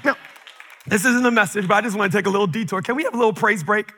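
A man raised in the Caribbean, preaching a sermon to a congregation in church, fervent, with bursts of shouting and quick stammered repeats of words. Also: high voice, some chatter behind, a little hiss or hum, low-quality recording. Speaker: pastor. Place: church sanctuary with a live congregation.

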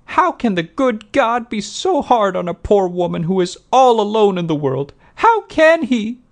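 A man acts out a big, malicious peasant woman from a storybook. The voice is a very high, shrill falsetto that swoops about with wailing melodrama, loud and volatile. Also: big pitch swings, a little slow, full character voice. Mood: tearful, self-pitying. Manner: wailing, melodramatic, screaming when angered. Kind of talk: acted audiobook character dialogue.

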